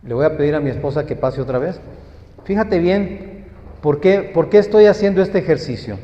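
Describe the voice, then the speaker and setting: A man preaching a sermon, teaching slowly and emphatically and putting questions to his listeners. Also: a little high, lively intonation. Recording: echoey hall, dull lo-fi sound.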